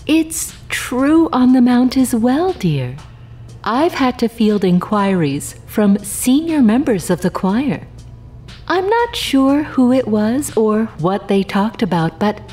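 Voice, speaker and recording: A woman's voice: on the high side, sing-song, takes it slowly, mellow, husky, faint music behind, heavily acted. A woman playing a genteel, passive-aggressive immortal envoy from heaven in an audio drama, polite and sweetly condescending. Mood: confiding.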